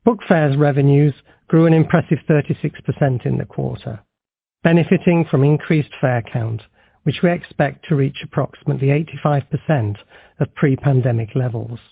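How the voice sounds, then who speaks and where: A man reading a formal, measured scripted corporate presentation as a company executive on an earnings call. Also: mid-range voice, creaky, husky, no room sound. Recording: tinny, band-limited phone line.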